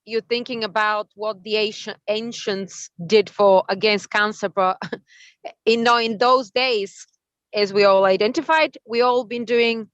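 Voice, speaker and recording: A woman's voice: mid-range voice, fairly even intonation, unhurried, dry recording. A middle-aged woman, speaking in a rambling, casual way in a group discussion. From Bulgaria. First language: Bulgarian. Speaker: discussion participant. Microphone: online call. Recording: dull, muffled online call audio.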